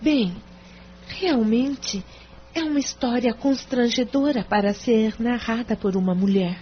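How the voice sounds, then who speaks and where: A woman's voice: on the high side, unhurried, close to an everyday voice. A woman voicing a reserved, hesitant wealthy wife confiding in her lawyer. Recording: dull lo-fi with faint hum.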